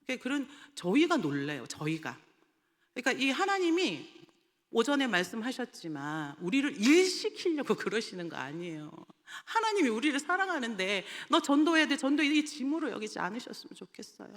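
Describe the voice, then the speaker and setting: A woman evangelist telling a lively testimony in a sermon, laughing often as she recounts stories. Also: a little high, fairly quick. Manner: animated storytelling, often laughing. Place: church sanctuary. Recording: long church hall reverb.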